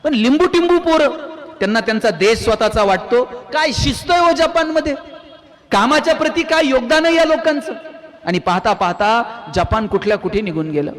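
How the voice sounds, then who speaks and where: A man with a strikingly high voice gives a motivational speech to a crowd, telling stories with lively rhetorical questions. His voice rings out with a long hall reverb. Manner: animated storytelling with rhetorical questions. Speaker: motivational speaker.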